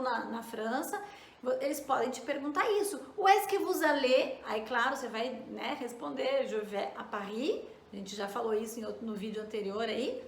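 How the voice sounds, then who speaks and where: High-voiced teacher in an echoey room. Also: female voice, a bit bright. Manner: patient, repeats words slowly for the learner. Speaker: French teacher. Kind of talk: casual online language lesson.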